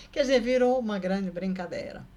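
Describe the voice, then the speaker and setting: A woman vlogger telling a personal story in a casual, lively way, often adding quick tag questions. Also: mid-range voice. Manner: lively, acts out the people in her story.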